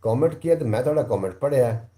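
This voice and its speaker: A man's voice: mid-range voice, expressive, fast talker, dark tone, reverberant. A man with a Punjabi accent hosting a live stream, reading out viewer comments, thanking people one by one and now and then reciting couplets. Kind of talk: casual live chat.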